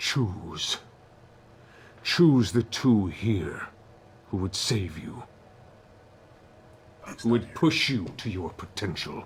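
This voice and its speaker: Putting on a character voice, a man rumbles at a very slow pace with long, frequent pauses, his fairly low pitch and calm tone paired with lively intonation. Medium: actual play. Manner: calm, grave, cryptic.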